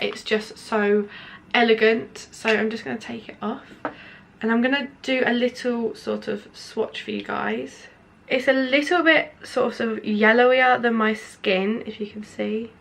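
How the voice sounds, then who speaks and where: A young woman rambles through a makeup test at home in a slightly high voice. Her voice is nasal and congested from hay fever, and her throat sounds sore. She talks casually and loosely, leaning on filler words. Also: gravelly, fairly bright tone. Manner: chatty, rambling, many filler "like"s. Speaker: beauty vlogger. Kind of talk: casual product review while applying makeup. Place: indoors at home, window open.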